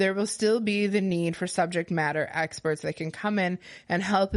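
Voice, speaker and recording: At a moderate pace, a woman with an unremarkable speaking voice talks at fairly low pitch with fairly even intonation over a quiet background. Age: 40s. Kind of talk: interview. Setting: studio.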